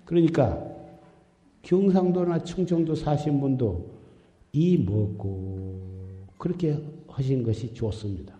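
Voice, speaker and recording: A man's voice: mid-range voice, animated, slow pace, dark tone, soft background music. A man giving an exhorting Buddhist sermon as dharma teacher, recorded in a temple hall. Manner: exhorting, repetitive, admonishing. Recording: echoey hall with long reverb.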